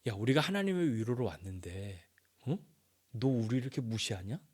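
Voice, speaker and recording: A man's voice: medium pitch, lively intonation, moderate pace, a little mellow, slightly rough. A man playing a boastful, scornful man taunting a suffering friend with rhetorical challenges. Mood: indignant.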